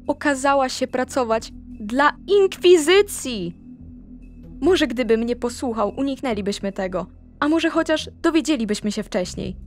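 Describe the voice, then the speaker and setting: A young woman recapping her tabletop character's story in character. She talks straight to the listener in a gossipy, confiding way, and her pitch leaps up when she gets excited.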